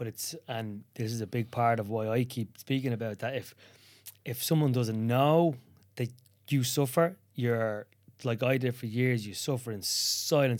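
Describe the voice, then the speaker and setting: Someone with an Irish accent speaks at a fairly slow pace with fairly even intonation. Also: man, medium pitch for a man. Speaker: podcast host, personal trainer and former bodybuilder. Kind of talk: casual interview chat.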